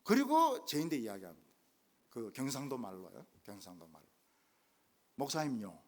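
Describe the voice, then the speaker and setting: An older man preaching a revival sermon as a guest pastor, jumping from loud exclamations to hushed asides. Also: medium pitch, a little fast. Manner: animated, swinging from loud exclamations to quiet asides. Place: church main sanctuary.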